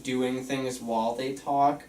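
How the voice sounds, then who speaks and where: A man with a medium-pitched voice chats casually, feeling his way tentatively through suggestions. He sounds far from the mic in a roomy space with faint noise. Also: little pitch movement, slow pace, darkish tone. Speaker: participant giving script feedback. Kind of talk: casual chat.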